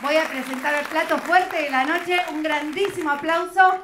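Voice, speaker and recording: Very high, bright woman announcer on stage. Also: moderate pace, a faint crowd, slight background noise. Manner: loud, projected announcing. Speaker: comedian, show presenter. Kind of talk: stage introduction. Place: theater stage. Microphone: handheld microphone. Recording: echoey stage sound from far off.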